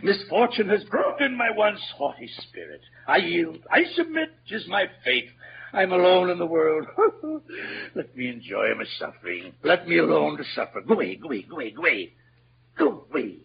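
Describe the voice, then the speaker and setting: A man's voice: huge pitch swings, normal speed, vocal fry, noisy background, full character voice. A man voicing a grandiose, self-pitying old con-man actor with a pompous, theatrical manner, in a 1940s radio play. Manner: booming carnival barker when drumming up crowds. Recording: dull lo-fi old radio recording with music.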